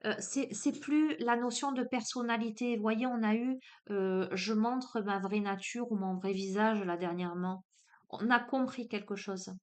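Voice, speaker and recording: A woman's voice: mid-range voice, unhurried, darkish tone. Woman with a southern French accent. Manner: hesitant, many fillers. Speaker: oracle card reader. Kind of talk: spiritual card reading.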